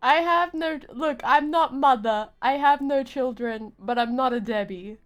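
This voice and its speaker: Chatting with stream viewers while she plays a game, a young woman keeps things casual, silly and exaggerated in a playful way. Her voice is high and her pace a little slow.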